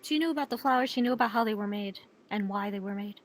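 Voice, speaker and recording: A woman playing a wary, distrustful fantasy character in improvised roleplay, with a halting way of finding her words. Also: mid-range voice, natural voice. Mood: matter-of-fact.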